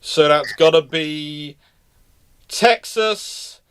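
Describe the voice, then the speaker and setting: A man hosting an unscripted question-and-answer talk, speaking emphatically but haltingly, doubling back and repeating himself to stress points. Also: a little high, a bit bright, clear, resonant tone. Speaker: naval history host answering live questions.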